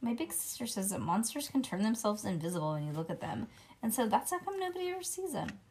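A woman voicing a serious little schoolgirl who explains things calmly and plainly. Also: fairly high pitch, fast. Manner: calm, matter-of-fact.

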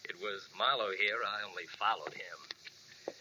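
A man's voice: fairly low pitch, unhurried, pushed and bright. A man acting a modest, easygoing ranch hand in a 1940s radio drama. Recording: very noisy, dull old radio recording.

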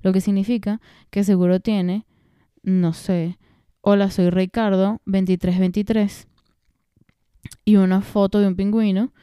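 A young woman hosts her podcast in a loose, rambling way. Her voice is very dark and mellow, smooth and resonant. The sound is dry and close. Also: medium pitch, flat delivery, measured pace, dry recording. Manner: chatty, digressive, laughs often. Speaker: podcast host. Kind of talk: casual chat.

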